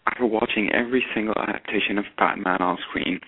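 A man's voice: lowish voice, fast talker, gravelly, breathy edge, narrow, tinny audio. A man in his thirties from Lebanon, a candid, self-deprecating guest in a podcast discussion.

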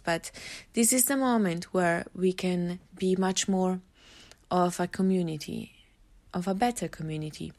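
A woman's voice: lowish voice, darkish tone. A woman with an Italian accent hosting a solo podcast, giving earnest, encouraging advice with frequent fillers and restarts. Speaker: podcast host.

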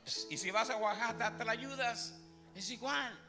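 A pastor jokes his way through a sermon and teases his listeners. His voice is high with a gravelly edge. He is heard in a large church hall with long reverb and music under him. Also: normal speed. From Puerto Rico. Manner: joking, teasing the congregation. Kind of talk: comic sermon. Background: music playing.

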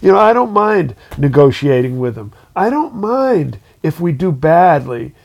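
A man with a fairly high, gravelly voice talks loosely on a podcast. He rambles and restarts, leaning on "you know" as he goes. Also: big pitch swings, measured pace, a little mellow. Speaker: podcast co-host, working musician. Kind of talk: casual chat.

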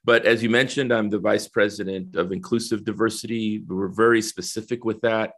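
A man's voice: on the low side, steady tone, brisk. A middle-aged man from El Salvador, a guest in a conversational interview, explaining things earnestly and step by step. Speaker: guest, corporate diversity executive.

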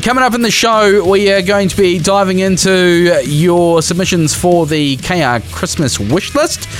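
A man's voice: sits high, unhurried, faint music behind. A man, presenting a podcast as its host.

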